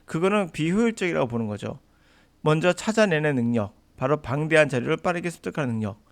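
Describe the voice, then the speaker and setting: A man's voice: a little high, expressive, fast. A man teaching an English lesson in an emphatic, argumentative lecture style.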